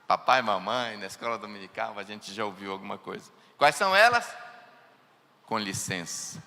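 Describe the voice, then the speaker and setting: A man preaching a sermon as pastor, animated, mimicking family members in quoted voices and putting questions to the congregation. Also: on the low side, normal speed. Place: church hall. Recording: long echoing church hall.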